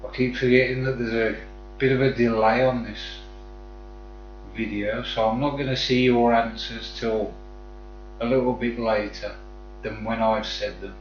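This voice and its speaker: Unhurried and with long pauses, a man speaks at medium pitch with little pitch movement, plus a slight hiss or hum. He's from the West Midlands, England, has a Black Country accent, and is casually chatting to live-stream viewers like a mate. Dull sound, an echoey room, and faint music round out the recording.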